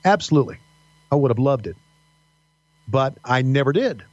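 A middle-aged man with a faint Southern American accent, telling stories as a podcast guest, halting with many fillers and restarts. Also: medium pitch, lively intonation, a little mellow, no echo. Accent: slight Southern American. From Virginia mountains. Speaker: podcast guest, wrestling announcer. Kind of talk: casual interview storytelling. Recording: dull dry podcast audio.

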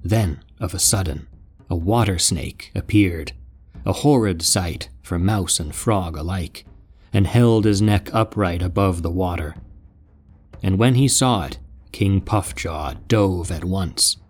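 A man narrating an epic tale in a grave, measured storytelling manner. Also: low voice, a little mellow, slightly rough, soft background music.

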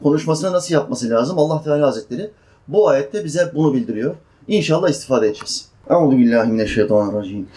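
A man's voice: a little high, animated, darkish tone. A man preaching a sermon, explaining Quran verses and asking his listeners questions. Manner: chants Quranic verses slowly, then explains in plain speech; asks the listeners questions and answers them.

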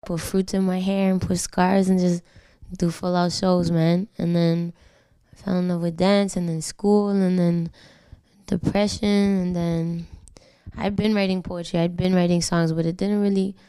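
A young woman from Canada, Spanish her first language, tells her story as an interview guest with loose slang and frank swearing. Her voice sits low and mellow, with a gravelly fry and an even, flat delivery. The sound is close and dry. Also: a little slow, dry recording. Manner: candid, slangy and swearing freely. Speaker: guest singer. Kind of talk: casual interview talk.

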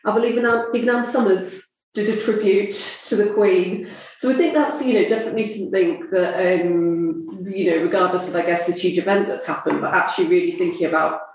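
A woman with a southern English accent co-hosting a casual marketing chat, talking with frequent fillers and pauses. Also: on the low side, fairly even intonation, a little mellow. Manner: hesitant, many fillers. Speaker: podcast co-host. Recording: echoey room.

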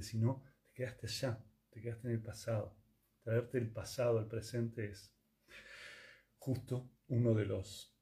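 A man, teaching yoga and conscious communication in a calm, reflective talk full of rhetorical questions. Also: medium pitch. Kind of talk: reflective spiritual talk to listeners.

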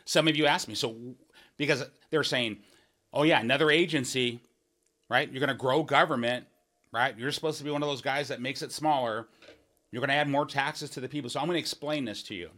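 A man's voice: mid-range voice, sharp tone. A man running for office, talking through his policy plans in a podcast monologue. He speaks earnestly and emphatically, restarting phrases and tossing in "right?" asides. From Washington State. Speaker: political candidate hosting a podcast.

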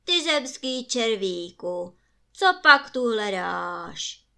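A woman voicing a fearsome giant guard in a storybook reading, booming and shouting. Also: lively intonation. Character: fearsome huge male giant guard, gruff.

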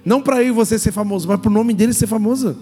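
A Brazilian Portuguese-accented male pastor preaching in a humorous, animated storytelling style, acting out characters in a church hall. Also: high-pitched, quick pace, husky. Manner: humorous, animated, acts out voices. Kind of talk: sermon told as lively storytelling. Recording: reverberant hall, faint music.

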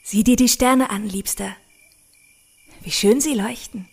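A woman's voice: fairly high pitch, measured pace, creaky, slightly rough, exaggerated voice. An actress playing a devout, curious young woman in love in an audio drama. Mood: adoring, curious. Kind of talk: German audio drama acting.

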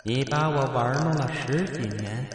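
A vengeful skeleton ghost of a murdered woman , as a man puts her on for a spooky storybook reading, wails her demands slowly. Her voice rings back through heavy echo and a long, hollow reverb. It sounds distant, as if from across a dark hall. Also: medium pitch, a little hiss or hum, voice pushed up. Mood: vengeful wailing. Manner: slow, drawn-out wailing accusations.

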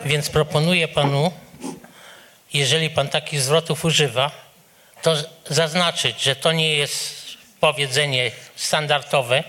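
Older man, from Poland, audience questioner, blunt, insistent, sharp bright tone, slightly high pitch. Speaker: audience member asking a question. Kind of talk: audience question at a public discussion.

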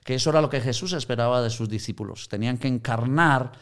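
A man's voice: medium pitch, fast talker. A man in conversational teaching on Christian mission, telling anecdotes and acting out quoted voices. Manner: animated storyteller, acts out quoted voices.

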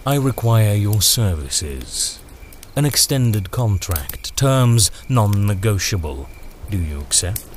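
Courtly villain, low male voice, slow poetic delivery, theatrical menace, dark audio drama. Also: sing-song, a little hiss or hum. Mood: commanding. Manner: formal, theatrical, menacing, measured. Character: sinister, courtly, poetic stranger in fine clothes.

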